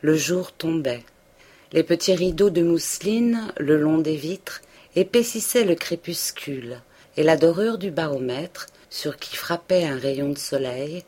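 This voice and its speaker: Lady reading a novel aloud, deep voice, calm measured storytelling. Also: slightly rough. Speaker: audiobook reader. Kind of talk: literary audiobook narration.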